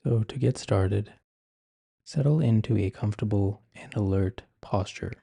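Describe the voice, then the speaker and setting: A man guiding a meditation in an ASMR-like style, speaking gently and giving soft, measured instructions. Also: fairly low pitch, gravelly, slightly rough, no echo. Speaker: meditation guide.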